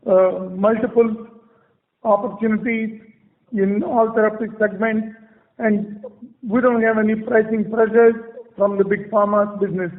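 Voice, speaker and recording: A man with an Indian accent giving halting, measured answers as a company executive on an earnings call. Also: sits high, level tone. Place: conference call. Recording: muffled conference line with long reverb.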